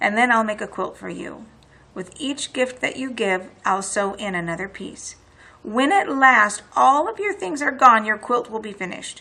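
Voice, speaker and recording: The female-sounding voice is a raspy, put-on character voice at a fairly high pitch and a moderate pace. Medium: read story. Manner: calm, gentle.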